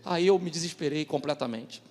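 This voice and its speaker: A man giving an emphatic, confessional testimony in church, swinging from loud bursts to hushed asides. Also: fairly high pitch, brisk, long reverb tail. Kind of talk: preached testimony.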